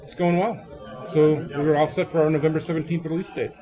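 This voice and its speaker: A man's voice: a little high, steady tone, fairly quick. A man giving a casual, tongue-in-cheek interview as a game developer, recorded in an echoey hallway. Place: open convention hallway at a game table. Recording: echoey hallway with crowd chatter. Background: crowd noise from a convention.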